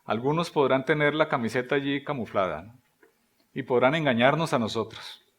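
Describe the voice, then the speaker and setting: A man preaching a sermon, asking rhetorical questions and voicing quoted prayers, his delivery swinging between loud emphasis and near-whispers. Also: mid-range voice, fairly quick. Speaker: pastor.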